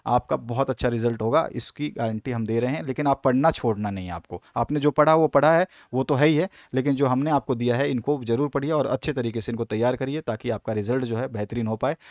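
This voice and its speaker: A man teaching an exam revision lesson. He explains each point step by step, often repeats key points and pauses with fillers. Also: mid-range voice, a little mellow, dry recording.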